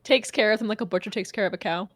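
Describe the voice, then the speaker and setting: A woman playing a tabletop game, chatting casually with quick, dry wit. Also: medium pitch, fairly bright tone. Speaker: player.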